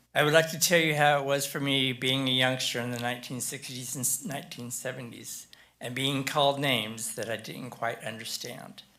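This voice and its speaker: With hardly any pauses, a man with an American accent talks in a bright, sharp tone, his intonation fairly even and his loudness swinging widely. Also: medium pitch for a man, fairly quick pace. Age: 60s. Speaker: public commenter at school board meeting. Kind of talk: public comment testimony. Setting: school board meeting.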